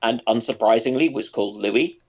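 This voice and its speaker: A man's voice: mid-range voice, brisk, darkish tone. A man chatting as a panelist, musing aloud in a hesitant, discursive way. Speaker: panelist on a history live stream. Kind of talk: casual discussion.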